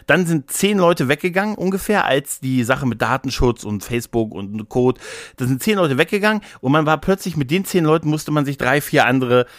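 A man's voice: on the high side, lively intonation, fairly quick, hardly any pauses, no room sound, studio quality. A man chatting casually as a podcast co-host, rambling along colloquially with English slang mixed in. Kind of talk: casual chat.

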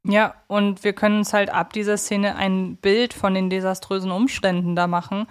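A woman's voice: medium pitch, level tone, moderate pace, clean tone. A woman hosting a podcast, giving conversational commentary. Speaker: podcast host.

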